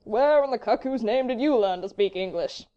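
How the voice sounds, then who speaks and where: Woman putting on a languid, drawling foppish English gentleman. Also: mid-range voice, animated, measured pace, highs cut off, lightly acted. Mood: bland, amused. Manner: languid, drawling, blandly good-humoured. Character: foppish, lazy, imperturbable English baronet, tall man.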